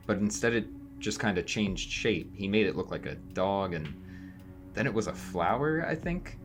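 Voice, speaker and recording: A young man playing a shaken, earnest young witness in an audio drama, hesitant, halting and casual. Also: fairly low pitch, expressive, music in the background. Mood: uneasy recounting. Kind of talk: naturalistic audio drama acting.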